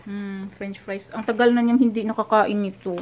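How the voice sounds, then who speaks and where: A woman with a Filipino accent cooking at home for her husband in a casual vlog, talking in halting English mixed with German and Filipino words. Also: medium pitch, flat delivery. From Philippines. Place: home kitchen.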